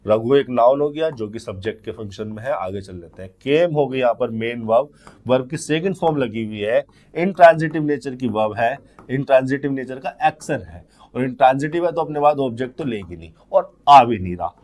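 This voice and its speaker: An expressive, darkish mid-range male voice belongs to an English grammar teacher preparing students for exams. He explains step by step, raising questions and answering them, and he reads example sentences out slowly, word by word.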